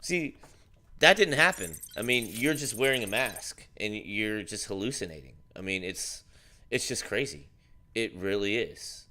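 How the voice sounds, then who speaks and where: A man's voice: fairly low pitch, animated, a little slow, bright, forceful tone. A man hosting a casual live news stream, joking and rambling with lots of fillers. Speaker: livestream news host.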